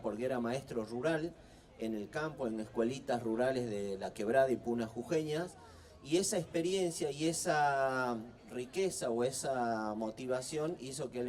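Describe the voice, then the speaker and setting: A middle-aged man talks at a book fair. He is earnest and unhurried, with plenty of fillers and restarts. His mid-pitched voice sounds distant, as if caught by a microphone well off in an outdoor plaza. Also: mellow. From Humahuaca, Jujuy, northwest Argentina. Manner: earnest, slow, halting with many fillers and restarts. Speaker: writer and guest speaker. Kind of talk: public talk at a book fair.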